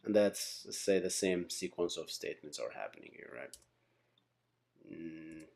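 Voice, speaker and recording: A man's voice: sits low, expressive, measured pace, vocal fry, darkish tone. A man giving an informal tutorial, thinking aloud step by step and often checking in with short tags. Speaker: software engineering instructor.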